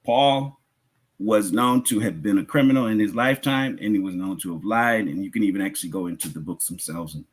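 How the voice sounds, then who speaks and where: A man's voice: fairly low pitch, brisk, husky. A man giving a religious lecture as a Muslim preacher and teacher, explaining point by point and repeating phrases for emphasis.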